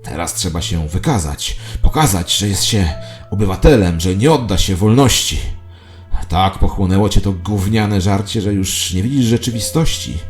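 Man reading as an urgent, conspiratorial woman, low-pitched. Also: animated, moderate pace, faint music behind. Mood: urgent, accusing. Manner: urgent, preachy, secretive. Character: agitated, conspiratorial woman, the narrator's partner.

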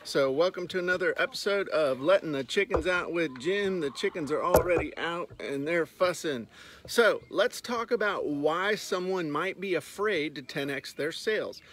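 A man's voice: a little high, expressive, moderate pace, a bit bright, a little hiss or hum. Blunt, sarcastic man vlogging outdoors. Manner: blunt, sarcastic, jokey outbursts. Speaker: business coach. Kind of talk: casual talking-head vlog. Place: outdoors on a farmyard. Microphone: phone held at arm's length.

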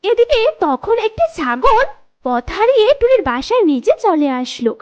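High-voiced woman narrating a children's story. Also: very animated, moderate pace, darkish tone, dull audio.

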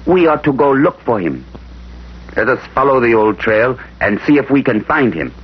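Guy playing earnest young son in a cartoon folktale, animated pitch, dull old film audio. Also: normal speed, background noise, natural voice. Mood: concerned. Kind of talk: scripted cartoon acting.

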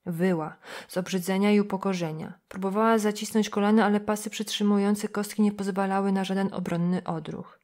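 Kobieta czytająca powieść kryminalną. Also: female voice, mid-range voice. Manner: measured, even reading. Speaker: audiobook narrator. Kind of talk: scripted novel narration.

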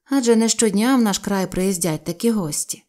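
A woman voicing a sensible peasant mother in a storybook reading, speaking quietly. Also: medium pitch, moderate pace, close to an everyday voice. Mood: plain.

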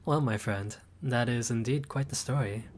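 A man's voice: moderate pace, slight background noise, lightly acted. A man voicing a friendly, laid-back male vampire host with dry teasing humor in a roleplay audio. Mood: wry. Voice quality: low voice, dry teasing humor, grandly theatrical at times.

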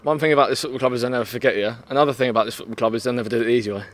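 A man's voice: medium pitch, fairly even intonation, rapid-fire. A man, a club media interviewer speaking enthusiastically outdoors in a stadium at night. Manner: enthusiastic, declamatory. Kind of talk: post-match interview.

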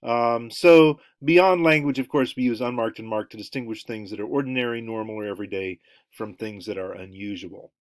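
A man's voice: on the low side, fairly quick, dry recording. A middle-aged man giving a recorded anthropology lecture over slides from home, talking in a rambling way with many ums and uhs. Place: home room, indoors.

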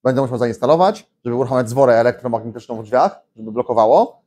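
Quick and warm, this mid-pitched voice belongs to a thirtysomething DIY vlogger filming in his small garage workshop. His how-to walkthrough is casual and talkative, peppered with fillers and false starts.

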